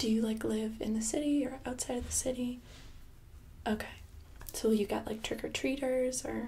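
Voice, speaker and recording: Light background noise sits under the woman's moderate pace and fairly even intonation. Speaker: streamer or vlogger. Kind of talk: casual chat with a viewer or call guest. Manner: soft-spoken, intimate and flirty. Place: home room.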